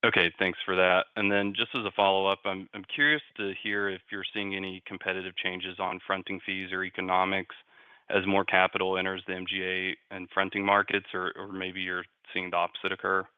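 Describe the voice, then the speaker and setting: A man's voice: low-pitched, little pitch movement, a little fast, clean tone, no echo, phone-quality sound. A man asking questions as a financial analyst on an earnings call. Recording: slightly band-limited call audio.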